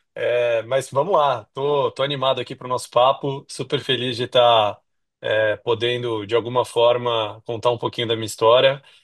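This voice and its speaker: Using fairly even intonation, a man with a São Paulo accent and medium pitch speaks at a moderate pace. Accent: São Paulo (paulistano). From Brazil, São Paulo city. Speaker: physician turned venture capital investor. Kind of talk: interview conversation.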